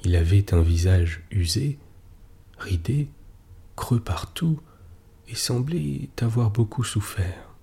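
A man reading a classic short story aloud at a measured pace, sometimes sinking almost to a whisper. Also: lowish voice, expressive, gravelly, dark tone, breathy edge. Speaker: reader.

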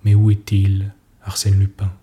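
A man reading the part of a shrewd male police commissioner who talks in a measured, knowing way. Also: deep voice, completely flat delivery, dark tone.

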